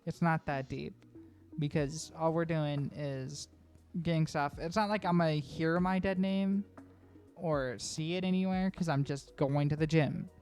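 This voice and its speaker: In a home-recorded voice-over, a trans woman vlogger rambles casually in a low, slightly mellow voice, with fairly even intonation and an unhurried pace. She often adds "right?" and laughs between thoughts, while faint music plays behind her.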